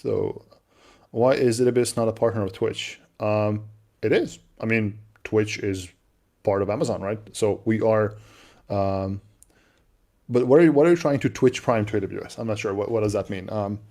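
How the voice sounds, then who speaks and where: Low, mellow-voiced man chatting on a livestream. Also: moderate pace. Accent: non-native English. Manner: relaxed, chatty, answers viewer questions with frequent fillers and restarts. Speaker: livestream co-host. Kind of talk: casual livestream chat.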